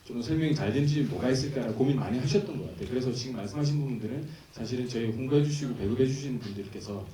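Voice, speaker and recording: A man's voice: mid-range voice, rapid-fire, dark tone. A man, a film director, answering audience questions with polite thanks. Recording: echoey cinema hall from far off.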